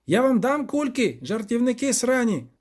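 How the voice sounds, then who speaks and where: A man doing a shrill bleating goat devil. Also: expressive, slow, heavily acted. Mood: furious. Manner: shrieking, bursts into goat noises. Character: shrill goat-like male devil, furious and mocking.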